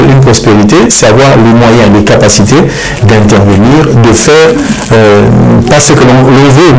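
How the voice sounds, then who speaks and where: A middle-aged man from Kinshasa, a pastor answering interview questions in a slow, measured way with many pauses. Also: medium pitch, poor audio. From Congo, Kinshasa. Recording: music bed in the background.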